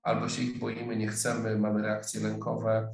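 A middle-aged man giving an online lecture on a webcam, speaking thoughtfully with many pauses, fillers and restarts. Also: lowish voice, completely flat delivery, reverberant. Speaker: sociologist lecturer. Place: office room, indoors. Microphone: webcam video call.

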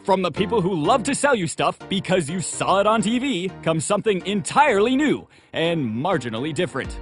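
A man playing an exaggerated, salesy TV pitchman in a parody commercial. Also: big pitch swings, brisk, faint music behind. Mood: hyped, salesy. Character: hyped-up male TV infomercial pitchman.

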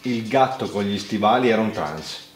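A man's voice: lowish voice, expressive, normal speed, faint music behind. A man in his thirties, a guest chatting casually and playfully in a room at home. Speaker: guest in a lip-reading game. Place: home living room with staircase, indoors. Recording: echoey room with background noise.

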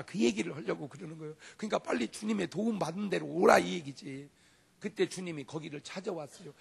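A man preaches at a live revival meeting in a gravelly, husky voice that sits a little high. He talks emphatically and with humor. He moves between loud exclamations and quiet asides. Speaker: pastor. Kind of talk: revival sermon.

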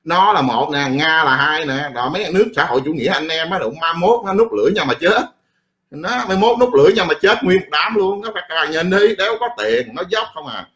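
A man's voice: on the high side, expressive, brisk, fairly bright tone. A middle-aged man who rants about politics in a casual, blunt and profane way, rambling and repeating himself. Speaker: political commentator.

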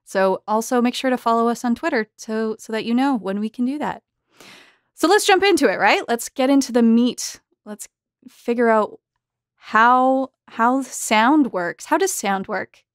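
A woman's voice: on the high side, animated, a little slow, no room sound, clean studio sound. A woman hosting a casual roundtable in a playful, informal way. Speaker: host.

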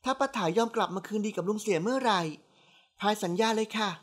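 A woman's voice: mid-range voice, quick pace, pitched above the performer's own voice, close to an everyday voice. A woman reading a novel aloud, voicing a playful, sassy young woman who teases her aunt. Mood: coaxing. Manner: bright, coaxing and sassy. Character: playful cheeky young woman, teasing niece.

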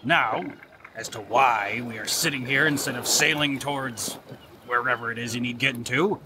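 A man playing a cantankerous, theatrical riverboat captain with a gravelly voice, loud and indignant, in an audio drama. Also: mid-range voice, normal speed, noisy background, lightly acted. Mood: exasperated.

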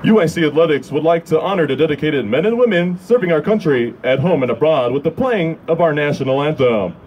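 A young man works as a public address announcer at a sports game, speaking into a handheld mic. His voice sits high for a man and moves in a very animated way through formal, scripted introductions. Crowd and background noise are clearly audible behind him. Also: dull audio. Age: 20s. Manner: formal, measured, drawn-out names. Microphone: handheld microphone held close.

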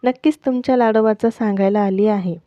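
Brief: playful young wife, read by a woman narrator, mellow and low-key, lo-fi dry sound. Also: steady tone, fairly quick, no room sound, natural voice. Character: young wife, teasing and affectionate. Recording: dull, dry lo-fi recording.

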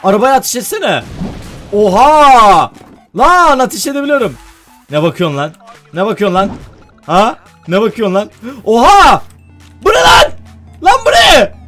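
A man hosting a gaming video, giving excited let's-play commentary, chatting with viewers and often breaking into shouted exclamations. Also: high voice, moderate pace, long pauses, soft background music.

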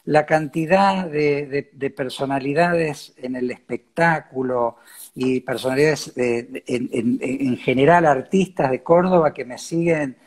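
A man in his fifties with a Cordoba Argentine Spanish accent, hosting a conversational interview in a halting manner on a video call. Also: mid-range voice. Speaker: interview host.

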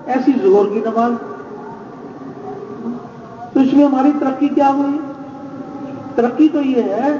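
A man preaching a sermon, measured and exhorting, repeating key phrases. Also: very high-pitched. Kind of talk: religious sermon. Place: large gathering space. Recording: echoey, distant, dull lo-fi with faint noise.

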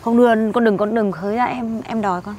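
A woman's voice: fairly high pitch, fairly even intonation, a little fast, a little mellow. Chatty mother at a lakeside outing. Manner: chatty and teasing with her children. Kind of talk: casual family chat. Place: outdoors by a lake.

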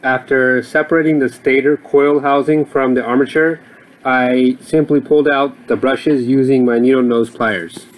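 A man's voice: mid-range voice, steady tone, moderate pace, poor audio. A man explaining a motor repair over his footage in a plain, explanatory way, with occasional fillers. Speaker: repair channel host.

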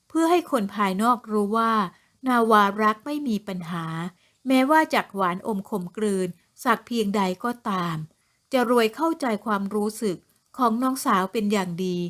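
A woman narrating an audio novel in a steady, even reading voice. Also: on the high side, moderate pace. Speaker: storyteller.

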